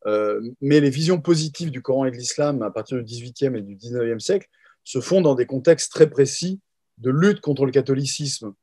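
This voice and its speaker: A male historian answering interview questions in a mellow, dark voice. He hesitates constantly, restarting phrases and filling gaps with "euh". The sound is dry and close. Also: medium pitch, lively intonation, moderate pace, husky, no echo. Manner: hesitant, many fillers and restarts. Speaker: historian guest.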